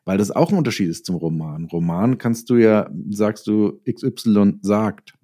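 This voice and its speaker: Low, mellow-voiced man. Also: a little slow. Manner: explains with hypothetical examples and acted-out quotes. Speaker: interviewed writer and audio drama maker. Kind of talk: casual interview explanation.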